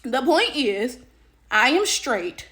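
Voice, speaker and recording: A woman's voice: sits high, big pitch swings, slow pace, bright, forceful tone. A woman, giving casual, emphatic commentary with sassy slang and rhetorical check-ins. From Detroit, United States. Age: late 20s. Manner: blunt, sassy, slangy, swearing. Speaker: social media commentator. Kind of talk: casual opinionated commentary to camera.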